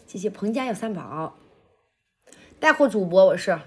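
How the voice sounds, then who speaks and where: A woman hosting a livestream, chatting casually with viewers between songs, her throat feeling blocked and a little hoarse. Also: mid-range voice, big pitch swings, a little mellow. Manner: sings then chats quickly to viewers, self-deprecating. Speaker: livestream host. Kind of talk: casual livestream chat and singing.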